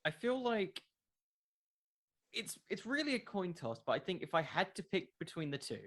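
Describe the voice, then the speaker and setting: A man's voice: high voice, sing-song, moderate pace, fairly bright tone. A man in his twenties chatting casually as an interview guest, thoughtful and informal, often hesitating and restarting with filler words. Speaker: podcast creator, interview guest.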